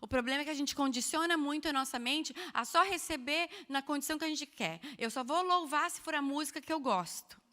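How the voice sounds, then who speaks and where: A woman preaching an expressive, animated sermon at a women's church meeting, with humorous asides to the audience. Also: high-pitched, fairly quick, hardly any pauses, long reverb tail. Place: church hall.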